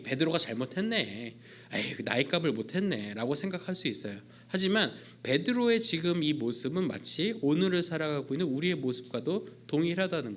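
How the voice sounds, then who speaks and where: A man, a youth pastor, preaching a sermon in a church service in a conversational way, with frequent fillers. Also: fairly high pitch.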